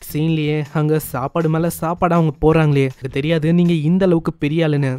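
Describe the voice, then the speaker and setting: A man with a dark, mellow tone speaks at a fairly high pitch with fairly even intonation. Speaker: anime recap narrator. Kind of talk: anime story recap narration. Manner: casual, conversational.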